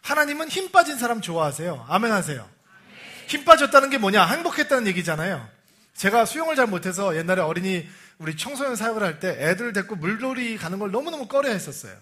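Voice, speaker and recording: A middle-aged male pastor preaching a sermon, who shouts quoted cries and drops to a soft, low voice for scripture. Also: big pitch swings, quick pace.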